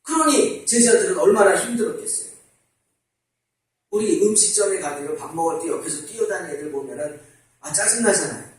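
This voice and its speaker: Middle-aged male pastor with a lively, swooping delivery, preaching and asking the congregation questions, caught from a distance in a very echoey church hall. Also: high voice, brisk. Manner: animated, conversational, asks the congregation rhetorical questions. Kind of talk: sermon. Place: church sanctuary.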